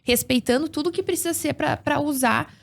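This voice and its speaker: Explaining woman, fairly high voice. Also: fairly quick, gravelly. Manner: explanatory, frequent tag questions. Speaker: guest, agricultural producer. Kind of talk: casual podcast conversation.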